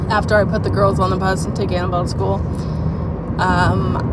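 A woman speaks at a moderate pace, the sound dry with no echo, amid loud background noise. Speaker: mom vlogger. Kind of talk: casual vlog chat. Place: car. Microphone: phone near.

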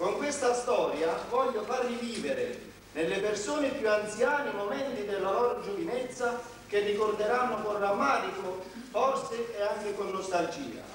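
Fairly slow speech with strong room echo and light background noise. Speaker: playwright introducing the play. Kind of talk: spoken introduction to a stage play. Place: stage. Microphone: camera far.

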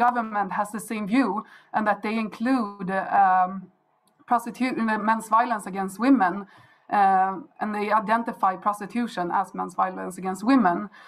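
Her intonation is fairly even. The woman keeps a moderate pace. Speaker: remote panelist. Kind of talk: panel discussion remarks. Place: home room. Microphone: video call.

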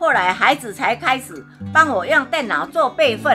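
A woman talks at a fairly slow pace, her pitch swinging very widely. Music plays behind her. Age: 70s. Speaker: grandmother tech vlogger. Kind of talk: sponsored product review talk to camera.

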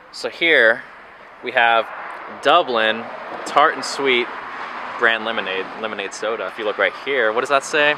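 A male voice, dry and without echo, over noticeable background noise. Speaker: vlogger. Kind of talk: casual vlog chat. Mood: playful, upbeat. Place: street. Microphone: camera far.

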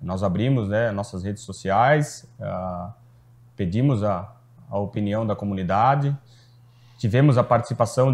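A somewhat breathy man speaks at a fairly slow pace with ordinary pitch variation. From Pomerode, Santa Catarina, Brazil; Santa Catarina, Brazil. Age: 30s. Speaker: political candidate; candidate. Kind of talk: political interview; interview answer. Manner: halting, repeats words. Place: studio. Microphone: lapel.

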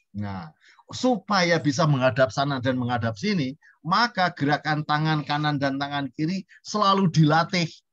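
A man's plain, everyday voice, fairly high in pitch, with lively intonation and a fairly slow pace. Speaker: art education expert. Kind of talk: lecture. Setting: video call. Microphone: choppy connection.

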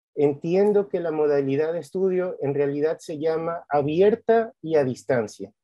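A man's unremarkable speaking voice, fairly high-pitched, with lively intonation at a fairly slow pace against a quiet background. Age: 40s. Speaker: university student. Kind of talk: testimony. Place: home room. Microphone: video call.

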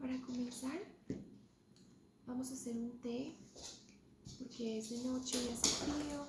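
Soft-spoken and relaxed in tone, the voice moves at a fairly slow pace with long, frequent pauses. Its intonation stays fairly even beneath loud background noise. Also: woman. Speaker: ASMR creator. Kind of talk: ASMR soft-spoken nail care talk. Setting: home, talking to camera while doing manicure. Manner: soft-spoken, relaxed. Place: home room.

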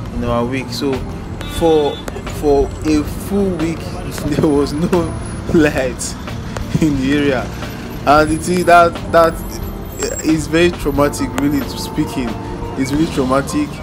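Clear music plays in the background as a man speaks at a fairly slow pace with long, frequent pauses. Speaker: walking vlogger. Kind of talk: casual vlog chat. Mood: complaining about power outage. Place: street. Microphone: phone near.

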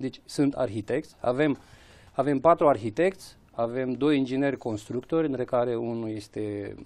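Male speech, moderately paced, its pitch varying in an ordinary way. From Romania, Caraș-Severin (Almăj area); Caraș-Severin, Romania. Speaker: heritage preservation association director; guest. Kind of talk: studio interview. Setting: TV studio. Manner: hesitant, with fillers. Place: studio. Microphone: lapel.

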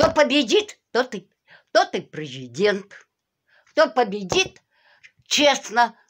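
At a very slow pace, a woman speaks with a high pitch. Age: 80s+. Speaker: pensioner. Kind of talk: public appeal to the authorities. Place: home room. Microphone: phone near.

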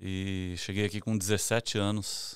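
Against a quiet background, a man talks in a very deep, low voice with monotone, flat intonation and a dry sound with no echo. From Brazil. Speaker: pastor. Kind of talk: casual chat. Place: studio. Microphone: studio mic.

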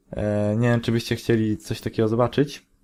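A man's dark, mellow voice at a fairly quick pace, in a monotone with flat intonation. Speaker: gaming YouTuber. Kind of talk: casual vlog monologue. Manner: halting, many fillers.

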